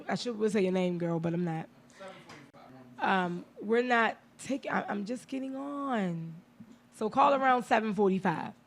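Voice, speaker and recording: Woman hosting a talk radio show, kinda gravelly voice, blunt and chatty, laughs a lot. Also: medium pitch. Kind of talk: casual chat.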